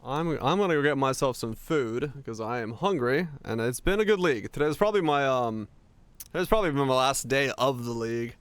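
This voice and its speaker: A man's voice: mid-range voice, lively intonation, brisk, smooth, no echo. A man livestreaming over a headset mic, chatting in a laid-back way with frequent laughs and trailing fillers. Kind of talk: casual gameplay chat.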